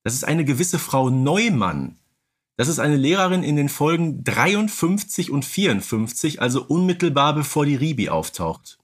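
A man's voice: a little high, big pitch swings, normal speed, husky. Male co-host, casual and conversational, keeps checking in with short tag questions. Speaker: podcast co-host. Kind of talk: casual chat about audio dramas.

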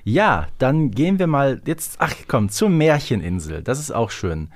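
Man chatting, very animated intonation. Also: mid-range voice, measured pace, no room sound, studio quality. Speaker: podcast co-host. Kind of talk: casual chat.

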